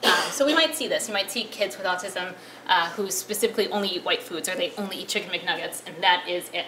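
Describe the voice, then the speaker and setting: The speech races at a very fast pace with lively intonation. Noticeable background noise sits under it. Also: woman. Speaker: behavior analyst giving guest lecture. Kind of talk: lecture. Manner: loud; many filler words. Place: classroom. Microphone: lapel.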